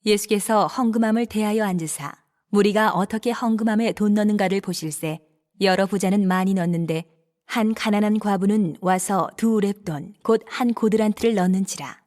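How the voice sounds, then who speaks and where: A woman narrating a dramatized Bible reading with an even, clear storytelling delivery. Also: mid-range voice, moderate pace.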